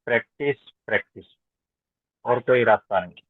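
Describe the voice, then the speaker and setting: A man's voice: medium pitch, moderate pace, slightly rough. A man speaking as a spiritual teacher in an informal question-and-answer discourse, didactic, with emphatic repetition and rhetorical questions. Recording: roomy echo, thin phone-like sound.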